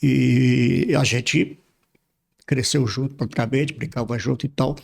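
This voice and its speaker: A man's voice: medium pitch, unhurried, vocal fry. An older man from Brazil, a pastor, telling his life story in a casual interview and repeating words as he recalls things. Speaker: pastor, podcast guest.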